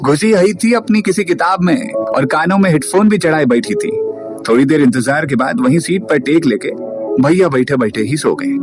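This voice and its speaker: A man tells a story in a lively, chatty style. His voice sits somewhat high for a man. Music plays clearly under the narration. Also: normal speed. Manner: lively, colloquial.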